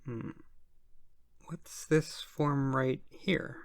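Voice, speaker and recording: A performer voicing a shy, flustered IRS auditor in an ASMR roleplay, soft-spoken and hesitant, sometimes slipping into a whisper. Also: mid-range voice, gravelly, no room sound, clean studio sound. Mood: awkward, methodical. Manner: hesitant, halting, stammering.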